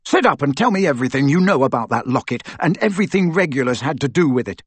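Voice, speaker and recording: Man playing a fierce teen boy wizard barking orders, bit husky. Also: fairly high pitch, very animated, fast talker, no room sound. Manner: fierce, urgent, commanding. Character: teenage boy wizard hero, determined and commanding. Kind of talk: audiobook character voice.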